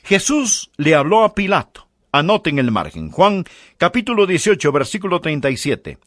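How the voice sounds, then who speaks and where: A man's voice: a little high, sing-song, moderate pace, dry recording, clean studio sound. A man preaching a sermon, pressing the listeners with emphatic rhetorical questions.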